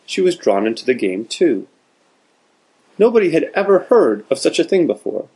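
A man reading a storybook aloud with expressive narration. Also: mid-range voice, slightly rough, rough recording. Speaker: audiobook narrator.

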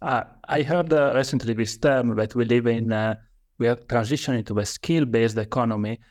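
A man's voice: medium pitch, moderate pace, darkish tone, no echo, studio quality. A man from Italy with an Italian accent, speaking English as a guest on a podcast interview, hesitant with many fillers and restarts. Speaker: guest author.

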